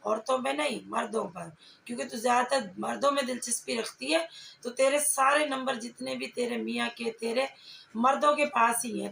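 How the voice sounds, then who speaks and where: A reaction vlogger gives confrontational commentary, scolding and taunting with pointed rhetorical questions. Her voice is a little high, gravelly, and fairly bright, recorded in an echoey room with faint background noise.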